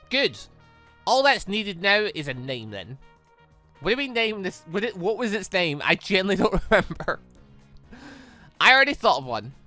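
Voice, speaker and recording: A host reading a visual novel aloud in an animated, rambling way, slipping between the script and off-the-cuff reactions. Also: mid-range voice. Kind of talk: lively read-along commentary with ad-libbed asides.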